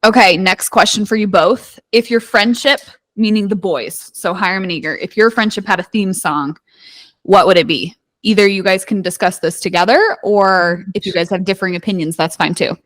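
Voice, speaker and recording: Lively young woman co-hosting a chat. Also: mid-range voice, moderate pace, dry recording. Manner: lively, laughs a lot. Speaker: podcast co-host. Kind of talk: casual chat.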